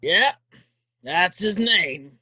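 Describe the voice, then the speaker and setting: A man playing an anxious, loyal greenhorn cowboy in a Western audio play, pleading and halting. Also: sits high, expressive, sharp tone, slightly rough, no room sound, exaggerated voice. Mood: nervous pleading. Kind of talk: Western audio drama acting.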